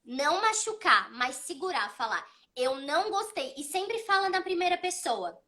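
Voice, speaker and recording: A woman in her thirties, hosting a child psychology talk, explaining calmly and telling stories about her son with acted-out dialogue. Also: very high voice, moderate pace. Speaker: child psychology channel host. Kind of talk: casual advice talk.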